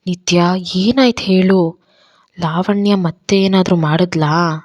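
A woman's voice: lowish voice, fairly even intonation, slow, dull audio. A woman voicing a hot-tempered but caring young man in an audio story. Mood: worried. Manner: sharp when angry, softening into concern.

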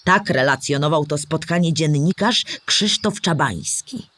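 A woman's voice: deep voice, a little slow, fairly bright tone. A woman playing a storyteller who explains history to a child in a scripted children's audio play. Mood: explanatory.

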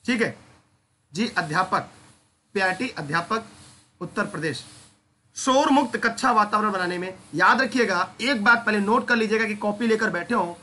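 A young man teaching an online exam-prep class who talks lively and keeps putting questions to his students. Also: sits high, moderate pace.

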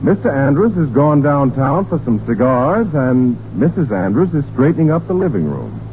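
A man's voice: medium pitch, big pitch swings, moderate pace. A man playing a showy announcer, delivering scripted narration for a 1940s radio show. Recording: muffled, noisy 1940s radio recording.

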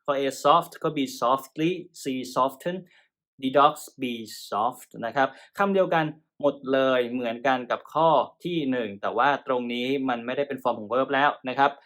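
A man's voice: mid-range voice, fairly bright tone. Thai male tutor explaining English grammar. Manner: explains patiently, checks in with listeners often; spells and pronounces English words slowly within Thai. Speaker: TOEIC tutor. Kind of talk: exam-prep lesson.

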